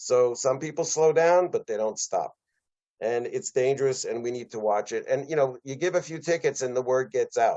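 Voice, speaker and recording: In an ordinary speaking voice with an American accent, the speaker goes at a moderate pace with ordinary pitch variation. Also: man. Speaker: village trustee. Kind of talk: public meeting remarks. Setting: village board meeting.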